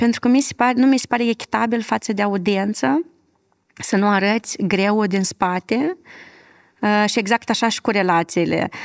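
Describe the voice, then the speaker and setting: In front of a quiet background, a woman talks at a moderate pace with very even loudness and ordinary pitch variation. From Moldova, Căușeni district; Moldova. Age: 30s. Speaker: journalist and media manager; podcast guest. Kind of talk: interview conversation. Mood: relaxed, smiling. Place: studio. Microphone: studio mic.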